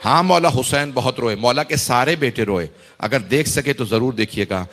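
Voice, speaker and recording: A man delivering an emotional mourning sermon, his voice climbing into high chanted wailing as he recounts the story. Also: a bit bright. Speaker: Shia cleric giving a majlis. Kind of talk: emotional Urdu majlis sermon.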